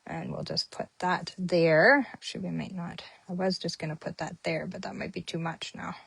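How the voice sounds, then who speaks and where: A papercrafting host with a fairly low, steady, husky voice and some vocal fry talks at a moderate pace through a casual crafting tutorial. She's chatty and uses many ums, rambling in a friendly way while she works. The close mic is dry, with no echo.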